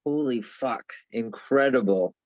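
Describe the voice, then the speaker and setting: A man's voice: mid-range voice, a little slow, a little mellow, no room sound, highs cut off, close to an everyday voice. A man playing an evasive, defensive young grad student with a hesitant way of talking in a dramatic table read. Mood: nervous, evasive.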